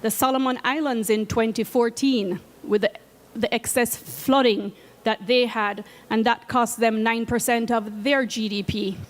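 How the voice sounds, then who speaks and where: Woman, jamaican accent, fairly high voice, earnest measured talk, long hall reverb. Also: fairly even intonation. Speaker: program head giving a talk. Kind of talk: prepared presentation. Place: event space at a conference.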